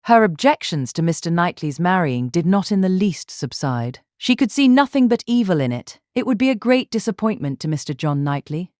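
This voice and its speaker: Low-voiced woman narrating. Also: big pitch swings, normal speed, few pauses, darkish tone, no echo, studio quality. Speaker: audiobook narrator. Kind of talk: scripted literary narration.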